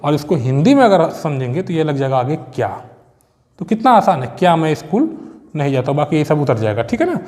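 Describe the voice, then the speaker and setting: A male teacher giving an exam-prep grammar lesson, explaining step by step and checking that students follow, slowing down to spell out example sentences word by word. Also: a little high, sing-song, a little mellow, big-room sound.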